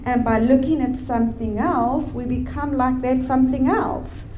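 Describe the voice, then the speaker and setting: A woman co-presenting a Christian talk, explaining points in a measured way and reading a Bible verse aloud. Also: high voice, dark tone, slight background noise. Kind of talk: teaching with scripture reading. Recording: echoey room.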